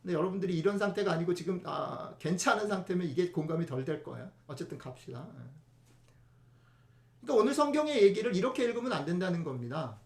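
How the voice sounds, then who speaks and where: A man's voice: sits high, big pitch swings, fast talker, gravelly, a little mellow, roomy sound. A male pastor giving a conversational sermon, chatty and often asking the congregation rhetorical questions.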